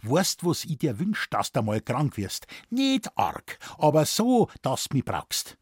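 A man voicing a rough, sharp-tongued village doctor with a Bavarian accent who talks bluntly and teasingly. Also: mid-range voice, wildly swooping pitch, takes it slowly, no room sound, studio quality, exaggerated voice. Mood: scolding.

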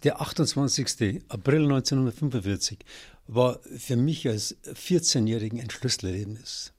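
A man's voice: mid-range voice, moderate pace, a little mellow, no room sound, clean studio sound. An older man giving grave, plainspoken eyewitness testimony in an interview.

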